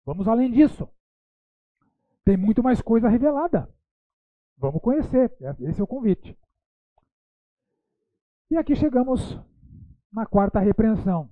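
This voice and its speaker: A man's voice: extremely high pitch, big pitch swings, a little slow, long pauses, no echo. A man teaching a Bible school lecture, posing rhetorical questions and tagging his sentences with "né". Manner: rhetorical questions, frequent "né" tags. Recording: tinny phone-like dry sound.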